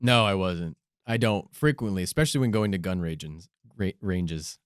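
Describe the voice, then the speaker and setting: Man, podcast co-host, rambling joking storyteller, smooth clear voice, dry close sound. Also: low-pitched, normal speed, no echo. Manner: rambling, spins joking hypothetical stories. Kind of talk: casual comedic chat.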